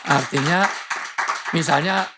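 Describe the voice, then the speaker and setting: A man's voice: fairly high pitch, slow pace, background noise. A man who is a Muslim preacher, guest on a talk show, preaching in a joking, playful way and imitating sounds to make his points. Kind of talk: humorous preaching in conversation.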